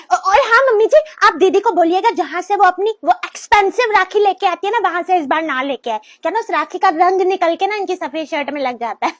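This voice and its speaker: A woman playing a young wife who talks loudly with mock-polite sarcasm. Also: very high voice, animated, brisk, pitched above the performer's own voice. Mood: pointed. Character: loud, pointed young wife.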